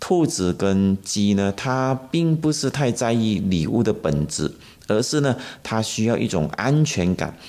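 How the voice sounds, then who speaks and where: Pitch swings very widely around a medium level for this man. He speaks at a fairly slow pace with very even loudness. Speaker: feng shui podcast host. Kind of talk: solo informational talk. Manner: halting, many fillers.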